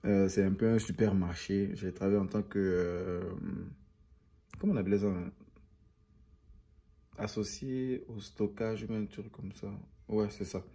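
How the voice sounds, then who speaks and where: A man's voice: fairly low pitch, fairly even intonation, unhurried, long pauses, warm tone, breathy edge. A young man chatting casually to viewers as a vlogger, rambling and repeating phrases for emphasis. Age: young adult.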